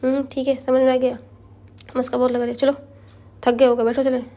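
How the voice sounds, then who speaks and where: A woman's voice: high voice, little pitch movement, fairly quick, warm tone, dull audio, natural voice. A woman voicing a stern yet loving middle-aged mother who scolds with drama. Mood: doting. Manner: scolding, then doting.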